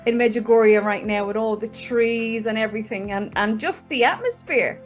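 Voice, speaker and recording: A woman in her fifties hosts a casual video-call interview with plenty of enthusiasm, her speech full of fillers and restarts. Her voice is on the high side at a normal speed, with faint music in the background.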